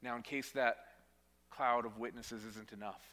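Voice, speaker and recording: A man's voice: medium pitch, fairly even intonation, moderate pace. Preaching man in a reverberant hall. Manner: emphatic, with dramatic drops to quiet; restarts and repeats words while preaching. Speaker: pastor. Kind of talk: sermon. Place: church sanctuary.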